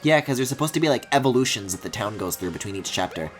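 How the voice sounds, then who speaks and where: A man's voice: on the low side, animated, quick pace. A man streaming a video game with casual live commentary, thinking aloud expressively. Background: game music.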